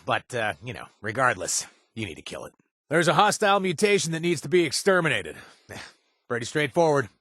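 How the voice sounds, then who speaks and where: An actor playing a wry, sarcastic companion in a video game who hands out kill jobs, stammering and joking. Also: male voice, medium pitch, fairly quick, dry recording. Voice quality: animated, sarcastic delivery with hesitant stammers. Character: wry young man, quest-giving companion, sarcastic and jumpy. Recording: dry studio sound.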